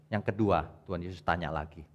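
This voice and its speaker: A male pastor preaching a sermon, emphatic, jumping between loud rebukes and quiet asides as he speaks straight to his congregation. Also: low-pitched, brisk, dull audio. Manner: colloquial, addresses congregation directly.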